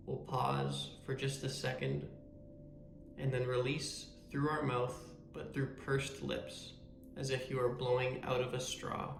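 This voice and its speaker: A man leading a guided meditation in a calm, measured, soothing way. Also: medium pitch, gravelly, echoey room. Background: meditation music.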